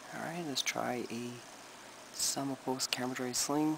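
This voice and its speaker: A soft-spoken man talks at a medium pitch over noticeable background noise. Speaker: tarantula keeper and video creator. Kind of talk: casual video narration. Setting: at home, late at night.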